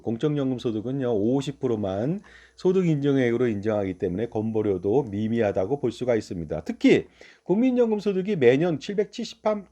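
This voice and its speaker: Lively, mellow-voiced man explaining finances. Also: mid-range voice, highs cut off. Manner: lively explaining tone, rhetorical questions to viewers. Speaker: finance channel host. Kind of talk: explanatory talk on pensions.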